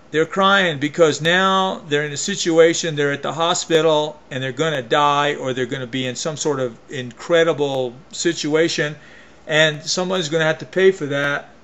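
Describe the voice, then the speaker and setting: Emphatic ranting man, slightly high voice. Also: fairly bright tone. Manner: emphatic, repeats and restarts phrases, folksy. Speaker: vlogger. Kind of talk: opinion rant to camera.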